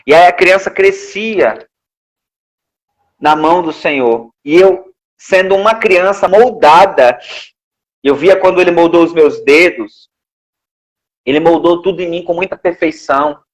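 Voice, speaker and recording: A man's voice: fairly high pitch, unhurried, pauses often, low-quality recording. A man with a Brazilian accent giving an earnest, emotional religious testimony and repeating his phrases. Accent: Brazilian Portuguese. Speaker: testifying church member.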